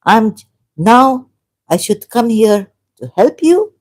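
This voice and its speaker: A woman's voice: on the high side, very animated, slow pace, darkish tone. A woman giving a solo commentary, reading verses aloud and thinking aloud as she argues. She breaks off mid-phrase and asks her listeners questions.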